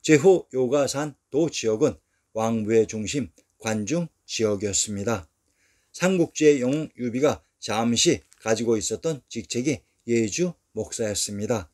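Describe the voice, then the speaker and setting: A man reading a scripted history narration in an even, measured way, going through lists one by one. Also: medium pitch.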